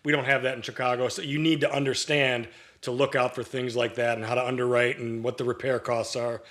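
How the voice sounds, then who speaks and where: A man's voice: mid-range voice, flat delivery, fairly quick, a bit bright. Long-winded man telling a work story. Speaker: guest, commercial real estate broker. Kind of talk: casual podcast interview.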